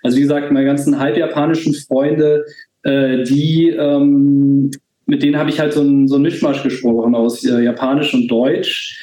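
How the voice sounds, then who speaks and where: A man's voice: mid-range voice, fairly even intonation, moderate pace, mellow, echoey room, poor audio. A middle-aged man from Germany, a guest in a casual podcast chat, talking with frequent hesitations and restarts. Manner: hesitant, many fillers and restarts. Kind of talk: casual conversation.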